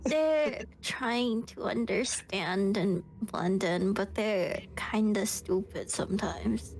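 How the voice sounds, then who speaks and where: A woman's voice: medium pitch, slow pace, vocal fry, darkish tone, soft background music, rough recording. A woman playing a tabletop role-playing game, improvising casual dialogue in an informal, hesitant way.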